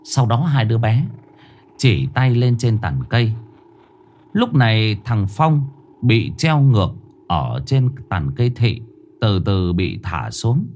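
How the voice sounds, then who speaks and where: A man tells a ghost story in a low, expressive voice that rises and falls dramatically. He slows down at tense moments to build suspense, with soft music playing faintly underneath.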